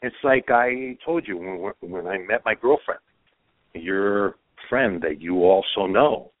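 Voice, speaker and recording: A man's voice: on the low side, slow pace, dry recording. A man from Croatia giving emphatic dating advice as a guest, often tagging his points with "okay?", heard over a phone-like line. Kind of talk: casual chat advice.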